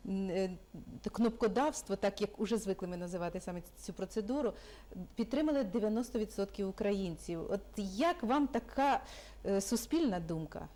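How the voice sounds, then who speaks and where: Measured woman TV interviewer, mellow voice. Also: mid-range voice, lively intonation. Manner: measured, formal questioning. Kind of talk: televised political interview, host.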